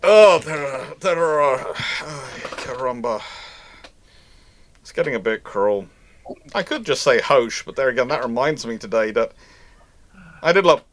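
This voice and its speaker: A man's voice: medium pitch, animated, unhurried, long pauses. Man hosting a rambling livestream Q&A. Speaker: host of a live naval history Q&A. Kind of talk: casual livestream chat answering questions.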